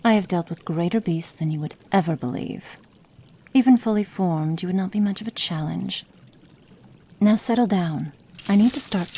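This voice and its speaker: A cruel, cold witch, as a woman plays her in an ASMR roleplay, slow and menacing. Her voice sits a little low and she draws every word out. She slips into hushed whispers between threats. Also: slight background noise. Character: cruel, cold female witch experimenting on a captive.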